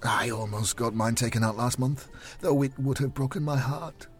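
A man voicing a kindly, chatty white-haired older mother in a story, gentle and sweet. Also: mid-range voice, moderate pace, faint music behind, voice pushed up, close to an everyday voice. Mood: confiding.

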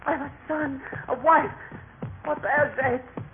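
A man's voice: very high voice, steady tone, measured pace, soft background music. An actor in a radio drama playing a wounded, weakened traveler who pleads desperately through his pain. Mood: weak begging. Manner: pleading, imploring, melodramatic. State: weak, in pain, crying out. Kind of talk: old-time radio drama acting. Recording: tinny, noisy old radio recording.

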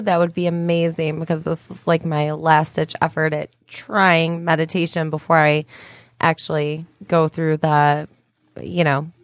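A woman's voice: fairly low pitch, no echo, studio quality. A woman co-hosting a podcast, chatting casually in an agreeable, self-deprecating way. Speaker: podcast co-host. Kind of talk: casual chat.

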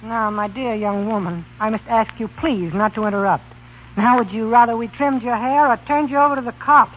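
An actor playing a skeptical, wisecracking young American college student with sarcastic, mock-formal quips in a 1930s radio comedy. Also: male voice, sits high, brisk, phone-quality sound. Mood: mock-pompous. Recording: thin, noisy 1930s radio broadcast.

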